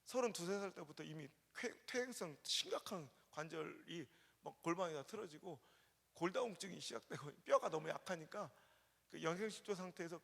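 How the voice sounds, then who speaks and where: Casting note: male revival preacher in his forties, high and gravelly, impassioned, recorded in a reverberant sanctuary. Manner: impassioned, swings from hushed to shouting. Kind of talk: emotional revival sermon. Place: church sanctuary. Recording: long reverb of a church sanctuary.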